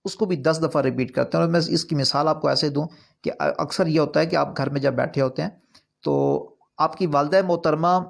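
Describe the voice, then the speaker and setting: On the higher side and gravelly, the man's voice leads an online recitation class. He explains things earnestly and repeats them with rising emphasis, speaking Urdu as a non-native.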